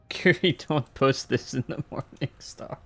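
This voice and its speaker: A man's voice: medium pitch, gravelly, a bit bright, breathy edge. A man streaming a game, chatting casually with crude jokes and frequent laughs. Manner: crude joking, laughs often. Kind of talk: casual gaming chat.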